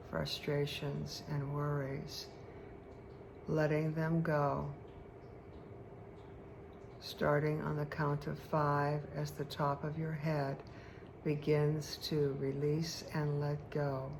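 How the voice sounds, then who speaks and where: A woman leading a guided meditation in a hypnotic, soothing manner, speaking deliberately with long pauses. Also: deep voice. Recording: clear steady background noise.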